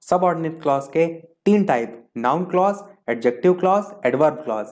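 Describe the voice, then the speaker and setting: Man, teacher, somewhat high voice, exam revision lesson, lists terms one by one. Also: animated, darkish tone. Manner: explains step by step, listing terms one by one; slows down to read out English definitions.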